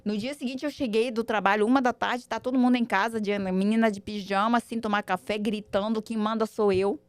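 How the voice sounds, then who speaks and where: A woman guest on a podcast, telling a family story in an animated way and acting out the dialogue. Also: a little high, fairly quick, smooth, no room sound. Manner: animated, acts out quoted dialogue. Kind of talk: casual storytelling.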